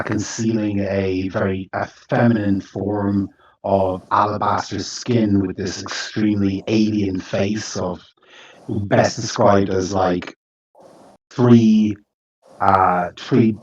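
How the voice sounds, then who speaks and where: A man narrating a tabletop game as game master, speaking slowly with many pauses and restarts. His voice is fairly low and comes across a little distant on a dull, lo-fi recording. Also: level tone. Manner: halting, with many fillers and restarts.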